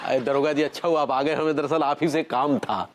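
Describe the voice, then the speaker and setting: An actor playing a pompous, impatient small-time trader. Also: male voice, a little high, steady tone, a little fast, lightly acted.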